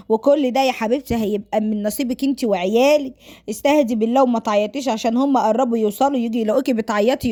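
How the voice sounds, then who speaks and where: A woman's voice: on the high side, warm tone, natural voice. A woman with an Egyptian accent voicing a nagging middle-aged mother in a domestic story, coaxing and scolding her daughter with endearments.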